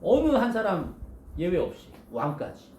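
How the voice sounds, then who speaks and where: A male pastor giving a storytelling sermon to children, animated and asking his listeners questions. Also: high voice, normal speed, roomy sound.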